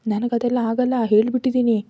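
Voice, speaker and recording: A woman's voice: a little high, level tone, a little fast, no echo, lo-fi sound, natural voice. A woman voicing a frightened young woman who pleads and later teases her brother, in a storybook reading. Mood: teasing.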